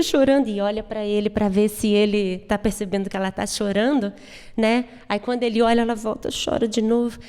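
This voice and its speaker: A woman explaining an opera at a university talk, animated and full of asides. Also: fairly high pitch, clean tone. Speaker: music lecturer and pianist. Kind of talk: live lecture on an opera. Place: university auditorium. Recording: long reverb of a live hall.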